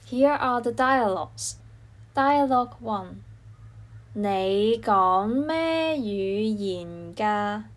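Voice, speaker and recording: A woman hosts a scripted language lesson at a markedly slow pace. Her voice sits at a medium pitch for a woman. She sets out each word and phrase deliberately, with careful separation between them. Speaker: language teacher and host.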